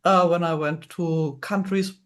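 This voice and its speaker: A woman's voice: fairly low pitch, steady tone, a little slow. Czech-born woman hosting a chatty interview, lots of uh and yeah. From Czech Republic. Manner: frequent fillers and agreeing "yeah"s. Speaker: host. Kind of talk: casual interview conversation.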